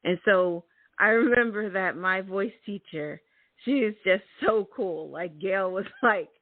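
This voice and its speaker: A woman's voice: mid-range voice, measured pace, dry recording. A middle-aged woman hosting a motivational talk, emphatic and repeating her key words. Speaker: host. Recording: thin phone-like sound.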